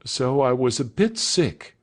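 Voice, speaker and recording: A man's voice: mid-range voice, big pitch swings, takes it slowly, voice pushed up. A man reading aloud voices a nervous, earnest teenage schoolboy who speaks hesitantly.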